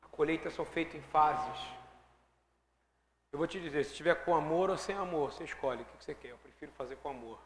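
A man preaching a sermon, swinging from hushed asides to loud, fervent declarations. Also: fairly high pitch, fairly quick, roomy sound, big-room sound, slight background noise.

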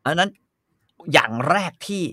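A man hosting a podcast, reading a story aloud and chatting about it, animated with casual swearing. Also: moderate pace, no echo, clean studio sound. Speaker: podcast host.

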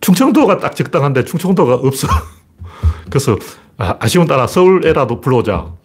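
Male pundit, husky voice, lively swings in pitch, sarcastic casual delivery. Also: a little fast. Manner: sarcastic and mocking, with scoffing asides and short laughs. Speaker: political commentator. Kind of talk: casual spoken commentary.

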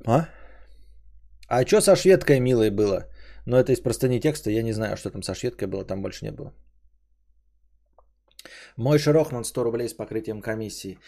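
A man's voice: medium pitch, animated, normal speed, vocal fry, long pauses, mellow. A man hosting a live podcast, reading donation messages and rambling through answers with many fillers. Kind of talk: casual live-stream chat.

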